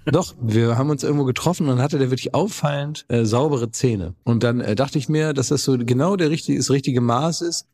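A man's voice: mid-range voice, brisk, few pauses, a little mellow. A man hosting his podcast, chatting in a rambling, teasing way. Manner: rambling, teasing, self-interrupting. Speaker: podcast host. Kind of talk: casual chat.

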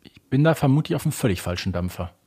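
Slightly husky, animated man. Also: mid-range voice, racing. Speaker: podcast co-host. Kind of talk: casual quiz chat about audio dramas.

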